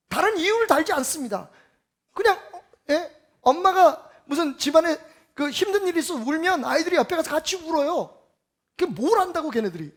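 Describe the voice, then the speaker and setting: In a Sunday sermon, a male pastor with an extremely high-pitched voice preaches emphatically. He fires off rhetorical questions and swings from loud to soft.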